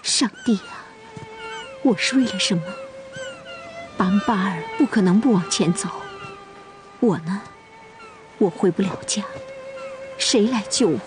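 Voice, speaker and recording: A woman's voice: medium pitch, expressive, unhurried, pauses often, over music, close to an everyday voice. An actress playing a headstrong young Russian woman from a costume drama, insistent and repeating her pleas over and over. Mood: despairing. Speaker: Russian woman in love with a herder. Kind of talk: television costume drama dialogue.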